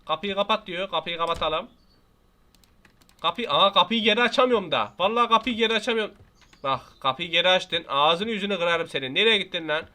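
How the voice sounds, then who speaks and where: A young Turkish-accented man gives excitable let's-play commentary in a high, bright voice. He jokes, scolds and playfully threatens what he sees on screen, talking fast and loosely as he plays. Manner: excitable, jokey, talks to the game baby and threatens it playfully. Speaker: gaming YouTuber.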